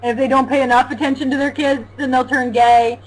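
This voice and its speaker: A young woman with a high voice talks loudly and animatedly on a casual talk show. She teases and laughs easily as she co-hosts. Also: fast talker, low-quality recording. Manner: loud, animated, mocking, laughs often. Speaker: co-host.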